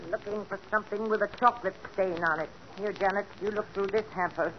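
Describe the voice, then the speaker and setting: Actress as a flustered older aunt. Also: female voice, mid-range voice, fairly even intonation, fast, lightly acted. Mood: searching. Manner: flustered, evasive. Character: anxious older aunt hiding a clue. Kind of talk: 1940s radio acting. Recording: dull hissy 1940s radio recording.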